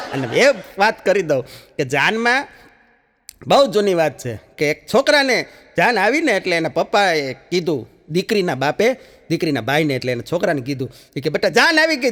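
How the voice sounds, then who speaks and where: A man's voice: sits high, big-room sound. A male comedian telling jokes on stage and acting out the dialogue. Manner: lively, acts out the dialogue.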